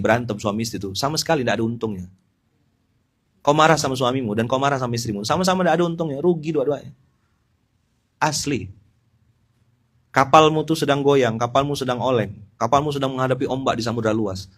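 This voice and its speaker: A middle-aged man, giving an informal sermon in an animated, joking way and speaking straight to his listeners. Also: medium pitch, quick pace. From Pontianak, West Kalimantan. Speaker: Islamic preacher.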